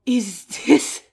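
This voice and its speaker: A woman's voice: very high-pitched, creaky, warm tone, full character voice. A young woman voicing an anxious, protective female werewolf who stammers and sighs as she talks to her partner. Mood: delighted. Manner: hesitant, stammering, sighing often. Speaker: voice actor in audio roleplay. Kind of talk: audio roleplay for a listener.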